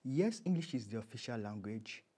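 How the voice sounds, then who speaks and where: Male interview guest, Nigerian accent, emphatic conversational delivery, mid-range pitch, leans on repetition to make his point. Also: lively intonation, moderate pace, warm tone, breathy edge.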